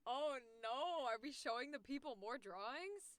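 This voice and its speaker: A woman hosting a voice acting livestream, chatting casually with animated, expressive reactions. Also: high-pitched, unhurried. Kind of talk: casual collaborative livestream chat.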